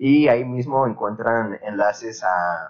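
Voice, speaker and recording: A man with a Mexican accent speaks with ordinary pitch variation. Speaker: podcast host. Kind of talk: casual chat.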